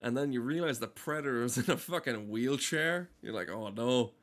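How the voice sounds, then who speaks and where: A man's voice: medium pitch, moderate pace. Irreverent man riffing over game cutscenes. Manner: profane, irreverent riffing with dark humour. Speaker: gameplay streamer. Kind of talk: casual, rambling commentary over game cutscenes.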